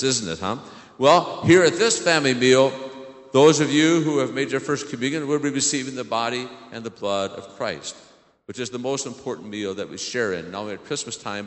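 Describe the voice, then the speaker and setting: American priest preaching in a reverberant church. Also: male voice, fairly low pitch. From southern Illinois, United States. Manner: simple questions to children, repeats their answers. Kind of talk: children's homily in church. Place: large indoor church. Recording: echoey church hall, long reverb.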